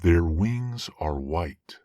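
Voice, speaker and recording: A man playing an authoritative judging archangel in an audio drama, formal, commanding and even-handed. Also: deep voice, drawn-out words, no echo, studio quality, exaggerated voice. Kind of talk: dramatic audio roleplay acting.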